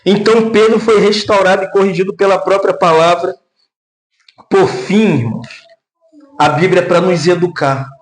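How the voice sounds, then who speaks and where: A man preaching a lively sermon, acting out quoted voices and laughing often. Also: echoey room. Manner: says of himself he speaks in a deep, gruff way. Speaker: pastor.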